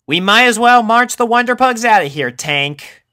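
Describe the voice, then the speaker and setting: A man's voice: extremely high pitch, expressive, normal speed, bright, forceful tone, clear, resonant tone, voice pushed up, heavily acted. A man voicing a brash, impatient young female flying pony in a story, emphatic and easily exasperated. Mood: resigned.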